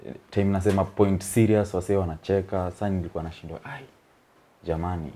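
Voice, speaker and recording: Deep-voiced Kenyan man telling stories. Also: fast talker, mellow, a little hiss or hum. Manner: rambling, chuckling storyteller who mixes in slang. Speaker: comedian guest. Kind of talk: casual interview storytelling. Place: TV-style studio set with sofas, indoors.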